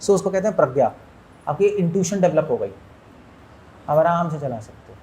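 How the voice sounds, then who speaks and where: A man's voice: a little high, sing-song, normal speed, mellow, slight background noise. A man, a monk, giving a spiritual lecture to an audience, asking them questions and mixing in English words. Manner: asks listeners questions, mixes in English words.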